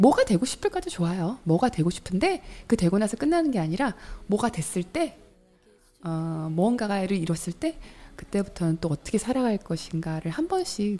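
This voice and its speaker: At a moderate pace, a woman with a medium pitch and a dark, mellow tone speaks with very wide pitch swings. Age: 40s. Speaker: podcast host and fitness YouTuber. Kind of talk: live stream casual chat.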